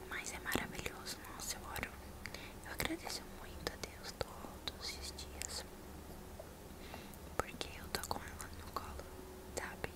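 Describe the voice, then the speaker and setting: A young woman with a São Paulo Brazilian accent speaks in an intimate ASMR whisper, casually answering viewers' questions close to the microphone in a small room. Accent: Brazilian, São Paulo state. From São Paulo state, Brazil. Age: young adult. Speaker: ASMR video creator and host. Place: small bedroom indoors. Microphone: large microphone right at the mouth.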